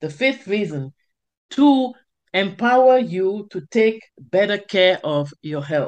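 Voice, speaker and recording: At a very slow pace, a woman talks with a medium pitch and very wide pitch swings. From Cameroon. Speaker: author, interpreter. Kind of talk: interview.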